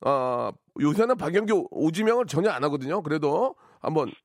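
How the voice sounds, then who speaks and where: A man hosting a phone-in radio show, teasing callers with deadpan banter. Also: fairly high pitch, brisk, dry recording, clean studio sound. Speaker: radio host. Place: radio studio.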